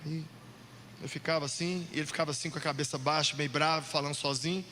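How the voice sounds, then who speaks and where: A male pastor preaching an animated, jokey sermon, shouting out points for emphasis in a church hall. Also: a little high, fast, a little hiss or hum. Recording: long hall reverb.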